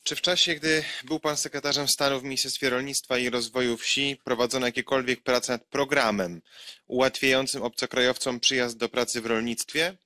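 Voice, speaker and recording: A deputy committee chairman asking a witness formal questions in a crisp manner. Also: mid-range voice, fairly even intonation, fairly quick, bright, forceful tone.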